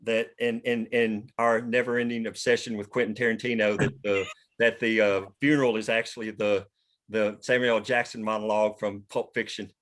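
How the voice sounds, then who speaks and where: A man's voice: lowish voice, little pitch movement, normal speed, a bit bright. A man hosting a script table read, reading stage directions and chatting casually. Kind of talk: script narration and casual discussion.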